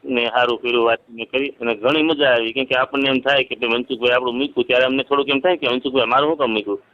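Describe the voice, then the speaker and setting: A man's voice: medium pitch, fairly even intonation, very fast. A man with a Kathiawadi Gujarati accent talking informally as a caller, insistent and often checking that the listener agrees. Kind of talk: informal phone conversation. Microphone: phone line. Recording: muffled lo-fi phone call.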